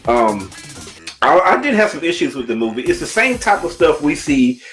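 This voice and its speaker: A man co-hosting a casual movie review, expressive, acting out quotes and often checking that his listener agrees. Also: on the high side, normal speed, faint music behind.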